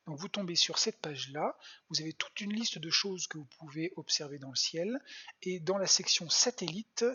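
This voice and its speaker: A planetarium educator giving a live online astronomy demo for children, explaining patiently with lots of hesitant fillers and quiet muttered asides while clicking through web pages. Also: mid-range voice, slightly rough, muffled recording. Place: at home.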